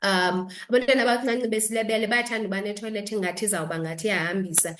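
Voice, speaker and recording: A woman's voice: medium pitch, steady tone, rapid-fire, fairly bright tone, a little hiss or hum. A woman doctor with a South African accent explaining health advice as an interview guest, instructive and switching between two languages.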